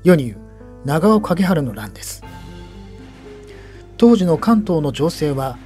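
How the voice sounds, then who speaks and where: A man hosting and narrating local history in a measured, explanatory manner. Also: a little high, warm tone. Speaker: host and narrator.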